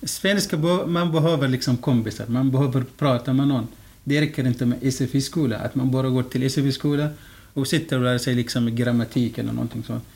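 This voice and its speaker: His voice is a bit breathy and sits at a medium pitch. The man keeps a fairly quick pace. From Syria. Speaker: construction engineer. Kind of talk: interview.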